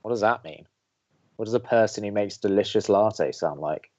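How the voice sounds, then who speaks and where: A man's voice: fairly low pitch, moderate pace, a little mellow, lightly acted. Guy acting wry college radio cohost, young, awkward and exasperated, slightly dull sound. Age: young adult. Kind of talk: audio drama, bantering radio show.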